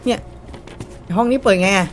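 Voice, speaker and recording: A gaming YouTuber chats casually over a horror game at normal speed, nervously talking himself through the frightening moments. Faint music plays in the background.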